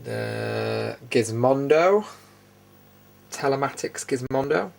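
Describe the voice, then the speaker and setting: A man's voice: medium pitch, animated, takes it slowly, vocal fry. A British man giving a casual, unscripted tour as a video host, matter-of-fact and dryly opinionated. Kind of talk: casual unscripted show-and-tell narration. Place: indoor room studio. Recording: noticeable background noise.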